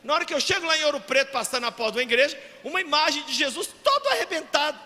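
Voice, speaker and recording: A Brazilian man preaching a fervent sermon as a pastor, shouting his points and telling family stories. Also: very high voice, lively intonation, very fast. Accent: Brazilian Portuguese. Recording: long hall reverb.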